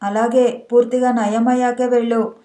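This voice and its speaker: A gentle, idealistic young village doctor, as a woman narrator reads him, speaking earnestly in a fairly high, level voice. The tone is mellow, and the reading carries an echoey room around it. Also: level tone, normal speed, close to an everyday voice.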